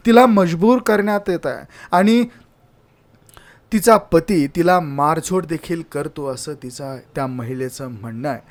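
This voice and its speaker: A man reads scripted news narration, formally explaining things to the audience as a presenter. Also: a little high.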